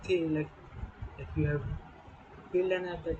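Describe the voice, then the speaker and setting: Behind noticeable background noise, a man speaks with fairly even intonation. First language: not English. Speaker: tech streamer. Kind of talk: live stream commentary. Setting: live stream. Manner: halting.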